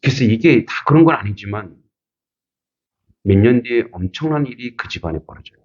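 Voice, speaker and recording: A middle-aged man preaching as a pastor, telling a personal story with lively acted-out quotes and frequent laughter. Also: medium pitch, brisk, slightly rough, muffled recording. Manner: animated, acts out quotes, laughs often. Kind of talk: sermon with storytelling.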